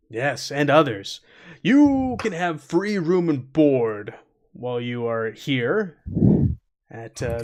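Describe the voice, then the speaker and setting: Putting on a character voice, a man speaks at a very slow pace in a fairly high pitch, with lively intonation and long, frequent pauses. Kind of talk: fantasy lord, formal speech. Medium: actual play. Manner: stammering, repetitive.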